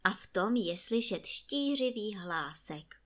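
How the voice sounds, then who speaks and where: A woman reads a bedtime fairy tale aloud at a middling pitch. Her narration is calm and expressive. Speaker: storyteller. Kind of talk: reading a bedtime story aloud.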